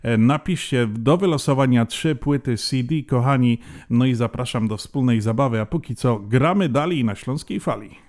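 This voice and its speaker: A man's voice: medium pitch, moderate pace, hardly any pauses, a little mellow. A man hosting live radio, speaking informally and directly to listeners. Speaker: radio host. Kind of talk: live radio presenting, contest announcement.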